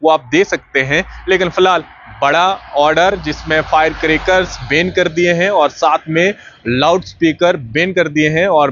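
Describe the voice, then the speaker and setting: A man's voice: on the high side, fairly bright tone, highs cut off. A male reporter giving an unscripted local news update, explaining at length with frequent hesitations and repeated phrases. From Jammu and Kashmir.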